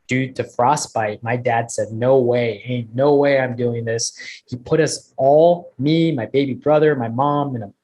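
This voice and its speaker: Husky-voiced man, energetic storyteller. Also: mid-range voice, low-quality recording. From Bangladesh. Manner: energetic storytelling with emphatic repetition. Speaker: guest speaker. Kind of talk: motivational talk to an online networking group.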